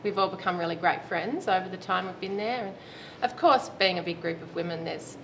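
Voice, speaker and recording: A woman's voice: fairly low pitch, brisk. A woman in her late thirties, a roller derby player chatting in an interview and laughing now and then. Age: 30s. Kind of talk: casual interview answers. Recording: noisy background.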